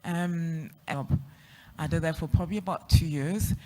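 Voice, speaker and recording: A woman with a South African accent, an outgoing panelist sharing her career journey with quick laughs. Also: sits low. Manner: extroverted, lively, quick to laugh. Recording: echoey hall.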